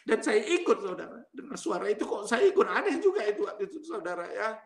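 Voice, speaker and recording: A man's voice: high voice, sing-song, fast talker, vocal fry, echoey room, over a noisy crowd. A man giving an earnest, emotional testimony sermon to a congregation, often turning to address his listeners directly. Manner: emotional, voice swinging between hushed and raised. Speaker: preacher giving a conversion testimony.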